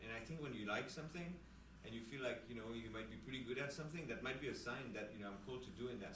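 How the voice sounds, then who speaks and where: A man with a French accent talks very fast at a medium pitch with ordinary pitch variation, and the recording has audible room echo and noticeable background noise. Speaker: French and Latin teacher. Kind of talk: interview answer. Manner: halting, with fillers and restarts.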